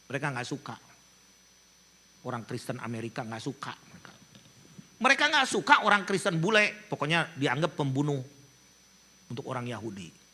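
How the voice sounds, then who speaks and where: A man in his sixties from Indonesia, a pastor, telling a story in an animated sermon and mixing in English phrases. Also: mid-range voice, moderate pace, pauses often. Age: 60s.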